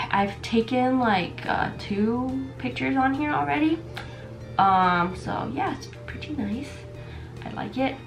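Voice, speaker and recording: A young woman in her twenties, sick with a stuffy nose and losing her voice, chatting casually to the camera as she shows off her gifts, with lots of fillers. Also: medium pitch. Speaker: vlogger. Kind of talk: casual product unboxing vlog. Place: small bedroom with camera shelves, indoors.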